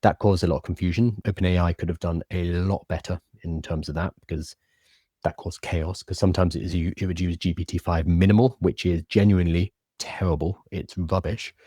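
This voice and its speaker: A man hosting a casual live stream, chatting with a lisp and soft R's that sound like w's. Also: deep voice, fairly even intonation, brisk, slightly rough, no echo, studio quality. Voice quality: lisp, can't say his R's, says w for r. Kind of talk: casual live-stream chat, answering viewer comments.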